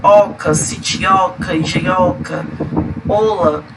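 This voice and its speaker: A man with a stuffy nose teaching a recorded grammar lesson, listing word examples slowly with frequent fillers. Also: high-pitched. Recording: loud background noise.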